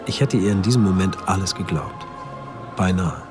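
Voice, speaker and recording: An actor playing a sober, reflective friend who narrates events in a first-person radio drama. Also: male voice, sits low, normal speed, over music, close to an everyday voice. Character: lonely man's friend recounting events soberly.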